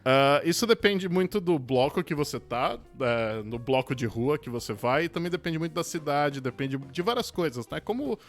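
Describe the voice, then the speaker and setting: A man's voice: fairly high pitch, expressive, normal speed, few pauses, faint music behind. A Brazilian man with a Brazilian Portuguese accent, co-hosting a podcast in casual chat and teasing his co-host in a joking way.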